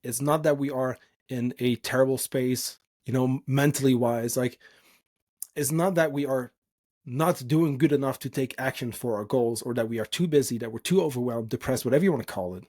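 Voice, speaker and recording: A man's voice: medium pitch, normal speed, darkish tone. A man from the Netherlands, a native Dutch speaker, hosting a solo podcast and coaching in an informal, earnest, emphatic and unscripted way.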